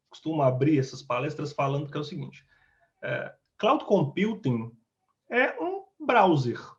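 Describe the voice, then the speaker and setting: Here a man speaks with a strong Minas Gerais accent. His pitch swings very widely. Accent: strong Minas Gerais (mineiro). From Brazil, Belo Horizonte (Minas Gerais). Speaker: cloud security architect, conference speaker. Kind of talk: conference talk. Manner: casual, talkative.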